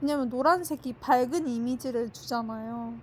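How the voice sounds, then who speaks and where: Soft-spoken and high-pitched, a woman talks at a fairly slow pace with ordinary pitch variation. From provincial South Korea. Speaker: vlogger. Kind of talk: casual monologue. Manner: trying to speak softly; halting, self-correcting.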